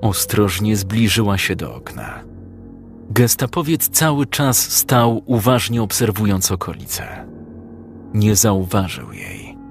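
A man narrating a dramatic story in a calm, measured audiobook reading. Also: on the low side, vocal fry, faint music behind.

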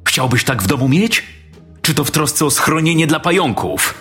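A man's voice: on the high side, sing-song, moderate pace, bright, forceful tone, faint music behind, voice pushed up. A man voicing a hulking, furious male construction boss who swears and bullies his workers with scorn. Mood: mocking.

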